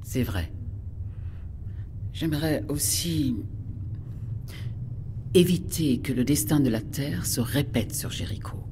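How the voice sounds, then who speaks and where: A woman's voice: a bass voice, slow pace, long pauses, noisy background. An actress playing an earnest, idealistic female scientist from a future planet in an audio drama, questioning sincerely and with some hesitation. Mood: earnest, troubled. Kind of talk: audio fiction dialogue.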